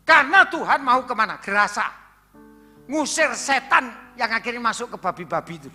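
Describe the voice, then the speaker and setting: A man's voice: very high-pitched, animated, moderate pace, pushed and bright. A male pastor, preaching a sermon in a conversational way, asking the congregation questions and dropping in words. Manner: mixes in Javanese words. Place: church hall. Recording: reverberant church hall with music.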